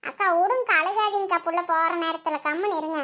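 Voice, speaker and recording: A woman's voice: very high-pitched, fairly quick, sharp tone. A woman voicing chatty village women in a family cartoon. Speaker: cartoon voice artist.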